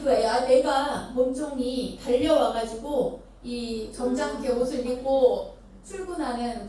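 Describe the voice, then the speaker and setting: A woman's voice: sits high, dark tone. A Buddhist nun from Chungcheong Province tells a story during a sermon. She asks the listeners questions as she goes. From Chungcheong Province, Korea. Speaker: Buddhist nun giving a dharma talk. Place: temple dharma hall with an audience. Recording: echoey hall from far off, faint noise.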